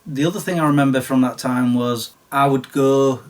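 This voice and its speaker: Speaking at a moderate pace, a late-forties man with a Sheffield English accent pokes fun at himself while recounting his past. He's a YouTuber from Sheffield, England, delivering a casual storytelling monologue in a slightly croaky, mid-range voice, sitting far from the mic.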